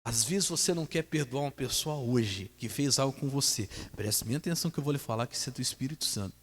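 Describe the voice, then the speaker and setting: A man's voice: medium pitch, fast talker. A man with a Brazilian Portuguese accent preaching a sermon as pastor, emphatic, putting questions to the congregation and swinging his voice up and down. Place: church hall. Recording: echoey hall reverb.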